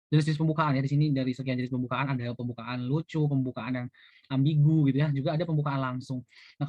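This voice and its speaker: Fast-talking young man explaining. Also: mid-range voice, a little mellow, no echo, dull audio. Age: young adult. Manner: chatty, many fillers like gitu and eee. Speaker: university student presenting. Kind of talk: casual explanatory lecture.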